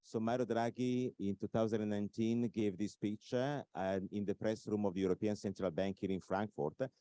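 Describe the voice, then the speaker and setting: A man with an Italian accent explaining his ideas in an interview, pausing often on uhs and stressing his key points. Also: lowish voice, fairly even intonation, warm tone. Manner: explanatory, many filler uhs, emphatic points. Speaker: author and expert speaker. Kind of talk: recorded interview talk.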